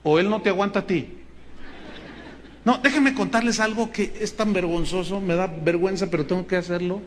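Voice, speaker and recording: A man's voice: high voice, fairly quick, a little hiss or hum. A man with a Mexican Spanish accent preaching a sermon as pastor, telling stories and acting out quotes with emphasis. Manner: storytelling with acted quotes, emphatic.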